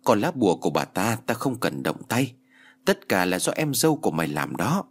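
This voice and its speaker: A man's voice: fairly low pitch, very animated, a little fast, slightly rough. A man voicing a scheming, vengeful older village woman who taunts and gloats in a spoken story. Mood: gloating.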